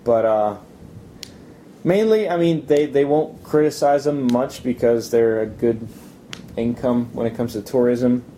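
A young man from Italy chatting casually in an interview, relaxed and halting, with lots of fillers and restarts. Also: medium pitch, a little hiss or hum. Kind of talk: casual chat.

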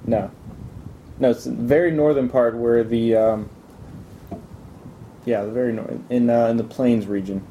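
A man's voice: medium pitch, steady tone, a little slow, long pauses, dark tone, a little hiss or hum, low-quality recording. A young man from Italy answering interview questions, hesitant, with many ums and restarts.

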